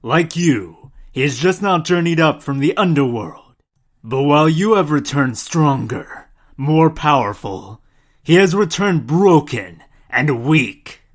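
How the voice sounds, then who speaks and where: Slow, solemn cult leader played by a man. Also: on the high side, expressive. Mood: menacing. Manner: solemn, incantatory, menacing. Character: sinister male elder of a secret owl cult, grandiose. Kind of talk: dramatic radio drama acting. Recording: music under the voice.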